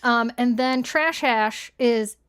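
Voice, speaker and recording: A woman with a fairly high voice co-hosts a casual live show. She chats in a playful, irreverent way, using plenty of slang. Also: slow pace, a crowd in the background. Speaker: show co-host.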